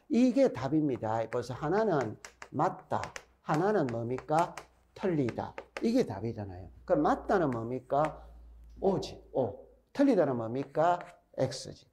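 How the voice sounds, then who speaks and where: A man's voice: fairly high pitch, big pitch swings, unhurried, mellow. A middle-aged man with a Gyeongsang accent gives an exam-prep lecture, chatty, repeating key points and quizzing his students. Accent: Gyeongsang Korean. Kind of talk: recorded classroom lecture.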